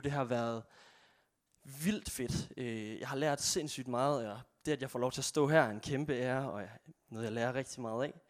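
Young man from Jutland, twenties, earnest halting church testimony, middle-range voice. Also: mid-range voice. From Jutland, Denmark. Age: 20s. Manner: earnest, halting, with frequent pauses. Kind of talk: personal testimony and closing prayer.

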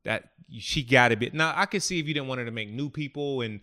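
A stand-up comedian in casual chat, animated and eager to give advice, leading in with "yo" and "look". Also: male voice, medium pitch, fast talker.

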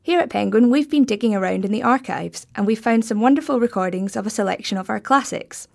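A woman's voice: a little high, fast, creaky. A woman presenting a podcast as host, reading scripted links between segments.

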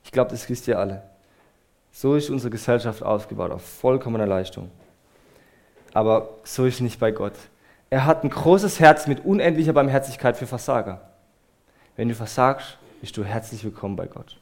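A male preacher giving a sermon in an earnest, emphatic way. His voice sits at an ordinary middle pitch for a man. He leans hard on key words, then lets many phrase endings drop away softly as he turns to address the congregation directly. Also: normal speed.

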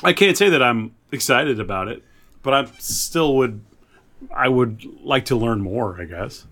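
A man's voice: mid-range voice, animated, a little slow, a bit bright. A man co-hosting a podcast, chatting casually about comics in a wry, noncommittal, joking way. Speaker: podcast co-host.

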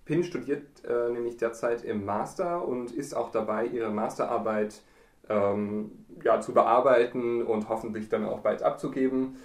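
A man's voice: mid-range voice, unhurried, a little mellow. A man hosting a podcast, guiding the conversation with friendly questions and summaries. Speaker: podcast host. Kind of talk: casual podcast interview. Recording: echoey room, distant from mic.

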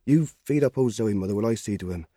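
A man's voice: on the low side, quick pace, no echo, clean studio sound. A man voicing an eager, earnest thirteen-year-old farm boy in a storybook reading. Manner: excited, gentle, earnest. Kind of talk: audiobook character voice.

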